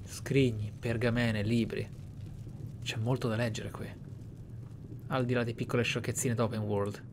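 A man's voice: mid-range voice, little pitch movement, a little slow. A man giving roleplay game commentary in a theatrical, pensive manner with murmured asides. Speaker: video game player and narrator. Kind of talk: roleplay let's play commentary, in-character musing and reading aloud. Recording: clear background noise, game ambience. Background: video game ambience.

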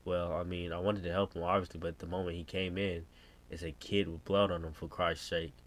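A man playing spooked young male gas station worker, American accent, low voice, hesitant, rambling, horror game caller. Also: little pitch movement, fairly quick, lightly acted. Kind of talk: reading game subtitles as dialogue.

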